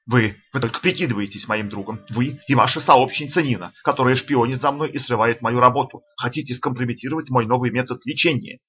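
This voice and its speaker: Brief: excitable professor bursting out in anger, raised bright voice, a male reader puts him on, dull lo-fi audio. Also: mid-range voice, fairly quick, hardly any pauses, natural voice. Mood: indignant. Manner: shouting, indignant outbursts. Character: agitated male professor, hot-tempered.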